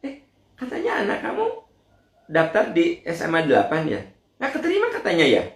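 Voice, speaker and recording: A man's voice: wildly swooping pitch, a little fast, vocal fry, full character voice. A man putting on the voice of a nosy, prying middle-aged woman who needles people with mocking questions. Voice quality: shrill mocking falsetto. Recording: roomy echo.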